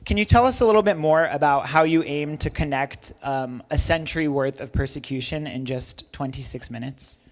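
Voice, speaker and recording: A man's voice: fairly high pitch, normal speed, few pauses. A man hosting an event, reading a formal introduction and then interviewing the guest.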